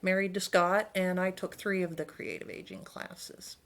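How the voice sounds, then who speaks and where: Lower-voiced woman in her sixties. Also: steady tone, moderate pace. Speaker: interviewee, retired class participant. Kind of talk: casual conversational answers.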